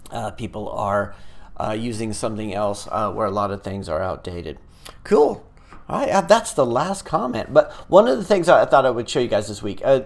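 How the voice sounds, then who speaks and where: A middle-aged man hosting a casual live stream, chatting loosely with many pauses and restarts. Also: medium pitch. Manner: rambling and hesitant, many fillers and restarts. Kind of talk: casual live-stream chat, reading viewer comments.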